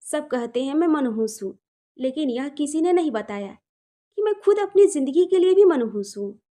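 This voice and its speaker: A woman's voice: animated, normal speed, warm tone. A woman voicing a heartbroken young woman who blames herself, asking pained questions through tears. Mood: bitter. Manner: pleading, questioning, rising pitch when upset. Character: heartbroken young woman, tearful, self-blaming.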